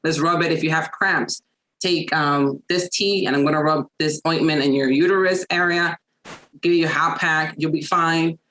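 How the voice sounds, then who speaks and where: A woman's voice: low-pitched, fairly even intonation, moderate pace, fairly bright tone, poor audio. A woman in her thirties from Puerto Rico, a chiropractor chatting as a guest in an interview, talkative and full of fillers and restarts. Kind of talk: casual interview chat.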